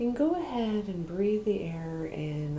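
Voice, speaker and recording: At a very slow pace, the voice has a calm tone and lively intonation over noticeable background noise. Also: woman. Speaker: Reiki practitioner, meditation guide. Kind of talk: guided meditation, Reiki relaxation. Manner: soft-spoken, calm, slow.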